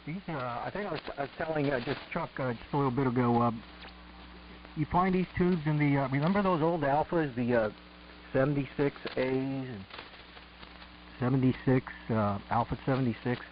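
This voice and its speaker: A man's voice: mid-range voice, moderate pace. A man talking casually and thoughtfully, with halts, as an amateur radio operator on an AM shortwave transmission. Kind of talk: casual technical chat over ham radio. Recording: noisy, dull AM shortwave radio. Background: steady radio noise.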